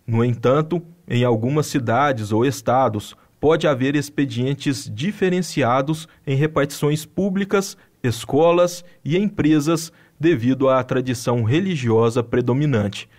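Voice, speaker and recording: A man with a Brazilian Portuguese accent reading a scripted news voice-over in an even, measured way. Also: mid-range voice. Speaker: news narrator.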